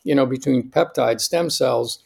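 An American man in his sixties speaking as a podcast guest in a conversational, emphatic way, often checking in with a quick "right?". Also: medium pitch, gravelly, a little mellow, slightly rough. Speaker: podcast guest, longevity doctor. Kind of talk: conversational interview, personal anecdotes.

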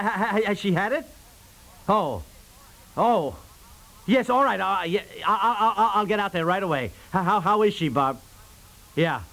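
A man's voice: high-pitched, fairly bright tone. A man acting a nervous expectant father in a 1950s radio comedy, stammering and repeating his words. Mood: flustered, anxious. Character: flustered, anxious expectant father, an office businessman. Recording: 1950s radio broadcast recording.

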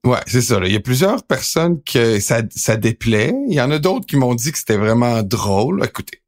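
A man's voice: medium pitch, expressive, moderate pace. A middle-aged man with a Québécois French accent, co-hosting a sports show and chatting casually with lots of fillers and restarts. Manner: rambling, many fillers and restarts. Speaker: sports podcast co-host. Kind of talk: casual chat.

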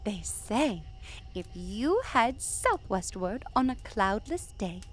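Measured woman narrating a tale. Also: mid-range voice, sing-song, faint music behind. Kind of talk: storybook narration.

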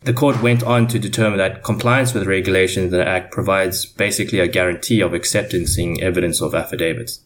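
A man's voice: low voice, steady tone, quick pace, few pauses, slight background noise. A man giving formal, wordy explanations as a panelist in a semi-scripted legal discussion.

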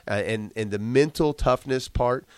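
In a candid interview, a male business owner speaks at a moderate pace in a mid-range voice that sounds clear and resonant, with no room sound. He's congested and has a chesty cough, and he talks emphatically, repeating words often.

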